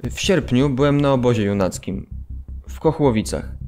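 A man's voice: medium pitch, expressive, moderate pace, darkish tone, faint music behind, close to an everyday voice. Male actor as young infantryman, mid-range voice, plain factual testimony for radio drama. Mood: sober recounting. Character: young Polish school-leaver turned infantryman recalling September campaign. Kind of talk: documentary radio drama monologue.

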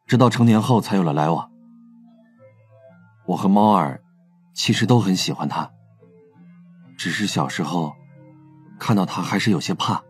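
A male actor in a Chinese audio drama plays a candid, protective younger brother confiding hesitantly and earnestly. His voice is on the low side, a little mellow, with a breathy edge.

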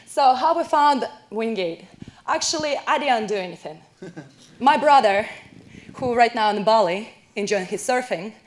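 Russian woman, 30s, lively onstage storyteller, handheld mic. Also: fairly high pitch, measured pace. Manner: lively, laughing, gesturing storyteller. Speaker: hall of fame inductee. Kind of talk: onstage interview. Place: university event hall with audience.

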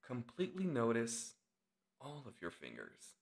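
A man leading a guided meditation as the instructor, speaking in short, deliberate phrases with long pauses. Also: medium pitch, huge pitch swings, creaky.

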